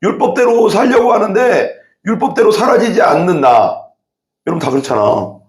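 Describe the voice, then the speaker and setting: A male pastor preaching an animated sermon in a church, acting out quoted prayers and voices. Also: high-pitched, normal speed, echoey room. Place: church sanctuary.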